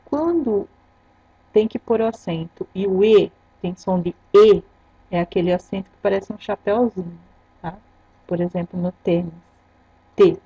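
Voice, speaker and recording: A Brazilian woman teacher talks through a grammar lesson, patient and step by step. Her voice is mellow and a little husky. The recording is dull and lo-fi. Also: lowish voice, steady tone, normal speed, no room sound. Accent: Brazilian Portuguese. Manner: patient, explains step by step, ends phrases with "tá?". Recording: dull lo-fi sound.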